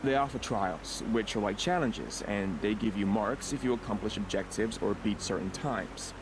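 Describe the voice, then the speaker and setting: An actor voicing a self-deprecating young tribal outcast in a video game, speaking hesitantly and haltingly. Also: male voice, on the low side, natural voice. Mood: embarrassed, resigned. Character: dejected, self-deprecating outcast young tribesman, failed hunter. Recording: clear background ambience noise.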